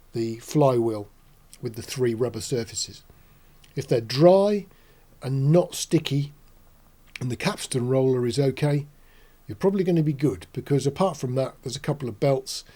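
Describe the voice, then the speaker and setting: A man in his sixties hosting a casual explanatory talk in a measured, reflective, matter-of-fact way. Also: mid-range voice, mellow. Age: 60s. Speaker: host. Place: small indoor studio.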